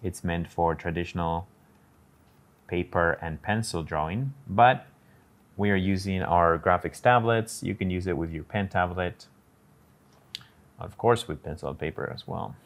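A man's voice: sits low, measured pace, long pauses. A man casually narrating his drawing steps on a live stream, talking through each step and greeting viewers in chat.

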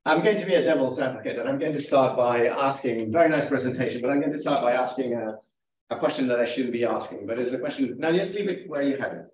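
A man's voice: mid-range voice, expressive, quick pace, slight background noise. A man chairing an academic seminar, asking probing, argumentative questions from the floor. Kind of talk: academic Q&A discussion. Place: lecture room. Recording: echoey, distant, dull room recording.

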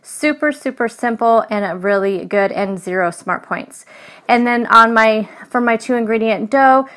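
A woman's voice: a little high, unhurried, fairly bright tone. A woman talking casually over her meal prep, chatty and loose, with frequent ums. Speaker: food vlogger. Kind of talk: casual voice-over narration of cooking.

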